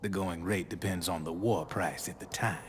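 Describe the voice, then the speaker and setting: An actor playing a cocky, streetwise black-market arms dealer in a video game, with slangy, easygoing sales patter. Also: male voice, deep voice, fairly even intonation, normal speed, background noise, close to an everyday voice. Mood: breezy, reassuring. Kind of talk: video game cutscene acting. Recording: background music under the voice.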